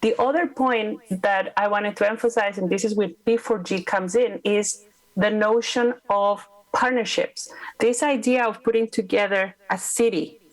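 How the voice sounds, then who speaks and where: Speaking at normal speed in a steady, mid-range voice, this woman from Costa Rica argues forcefully and persuasively as a climate-advisor panelist. She's a native Spanish speaker with a local accent, and the audio quality is poor.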